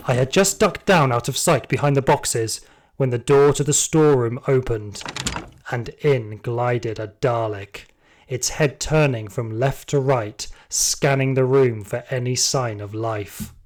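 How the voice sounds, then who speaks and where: A man's voice: medium pitch, close to an everyday voice. A man playing a terrified security guard, narrating his ordeal urgently and theatrically in an audio drama. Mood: tense, frightened.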